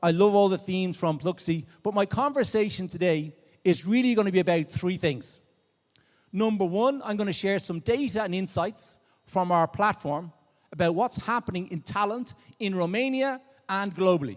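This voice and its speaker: An animated tone with ordinary pitch variation, on a very clean recording against a silent background. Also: man. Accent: Irish. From Ireland, Dublin. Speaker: conference speaker. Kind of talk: conference keynote talk. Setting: stage with audience.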